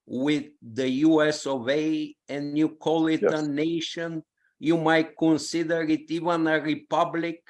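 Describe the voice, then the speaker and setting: An older man with a Bulgarian accent making a halting, emphatic comment from the audience at a public talk. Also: a little high. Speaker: audience member, peace activist.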